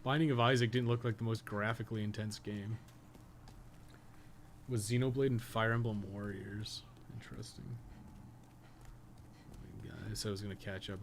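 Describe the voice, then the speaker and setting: A man chatting casually on a live game stream, rambling and wry, with loose, profane phrasing. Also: on the low side. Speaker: live streamer, podcast co-host. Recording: game audio noise behind voice.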